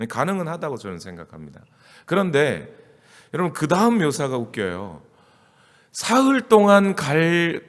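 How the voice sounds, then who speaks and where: A male pastor preaching a sermon in a conversational style, asking his congregation question after question. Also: on the high side. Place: church sanctuary. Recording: church hall with long reverb.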